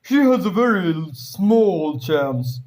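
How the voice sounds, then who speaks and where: A grave, busy storybook doctor, acted out by a male narrator, blunt and brusque. The voice is pitched high and pushed with emphasis, and the words come slowly, like firm pronouncements. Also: big pitch swings, darkish tone, heavily acted.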